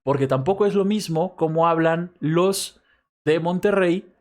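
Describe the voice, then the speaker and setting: Mexico City professor lecturing, fairly high voice. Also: male voice, a little slow. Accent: Mexico City Spanish. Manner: explanatory, checks in often with "right?" tag questions. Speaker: university professor. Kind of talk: recorded class lecture.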